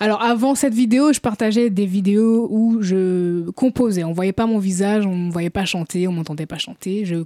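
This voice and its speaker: A woman talks at a fairly slow pace in a dark, mellow tone with ordinary pitch variation, the sound dry and close with no echo. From Paris, France (Caribbean parents). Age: 20s. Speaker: singer. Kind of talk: interview.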